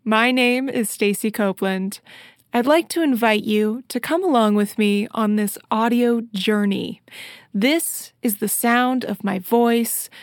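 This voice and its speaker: Slow, measured woman narrating a documentary. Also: on the high side, no room sound, studio quality. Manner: measured and deliberate. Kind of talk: scripted narration.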